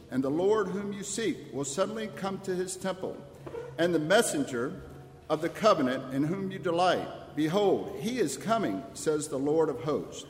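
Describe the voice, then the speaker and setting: A man reading scripture aloud at a church service in a formal, measured, declamatory way. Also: a little high, a little hiss or hum. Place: large church. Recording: very echoey church, long reverb.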